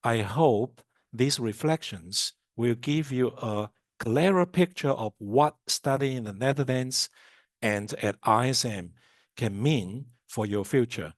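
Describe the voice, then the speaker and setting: A man's voice: medium pitch, no room sound. Formal middle-aged man, dry close sound. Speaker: student recruitment specialist, guest presenter. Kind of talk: formal scripted introduction.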